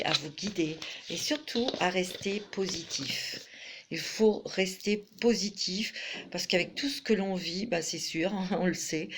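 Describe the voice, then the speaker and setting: A woman's voice: on the low side, noisy background. A middle-aged woman giving a chatty tarot reading to camera, full of fillers and restarts. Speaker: tarot reader.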